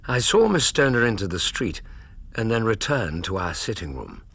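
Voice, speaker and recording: A steady doctor narrates and comments in a hushed way. His voice is low and very husky, recorded dry and close. It suits a radio drama. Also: moderate pace, no echo, full character voice. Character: solid, concerned male doctor and narrator.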